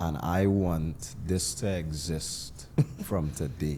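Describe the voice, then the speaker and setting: Speaking with a Trinidadian accent, a man uses a very deep, low pitch and a dark, mellow tone, with ordinary pitch variation. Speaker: musician and poet. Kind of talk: interview answer.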